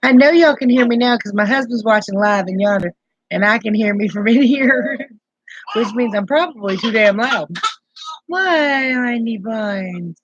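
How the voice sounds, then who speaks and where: On a live stream, a Southern woman in her forties who vlogs about keto chats with viewers, calling them by name as she settles a grandbaby. She speaks at a moderate pace in a slightly high voice, captured in a dry, lo-fi recording.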